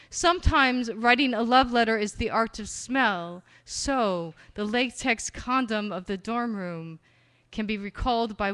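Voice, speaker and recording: A woman performing spoken-word poetry live at a reading venue on a stage mic, expressive and slowing down on key phrases. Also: fairly high pitch, no echo. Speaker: poet.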